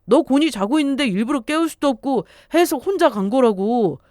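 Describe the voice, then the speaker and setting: A woman's voice: high-pitched, lively intonation, fairly quick, darkish tone, no room sound, clean studio sound, pitched above the performer's own voice. A woman voicing a defensive young husband, a mama's boy, in a story radio dialogue. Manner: pleading, defensive.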